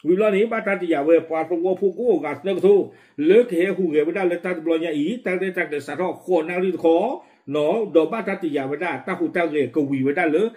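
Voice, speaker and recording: A man presenting and commenting on the news in a rapid, informal way, with many fillers. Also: high-pitched, darkish tone. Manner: quick, running commentary with frequent fillers.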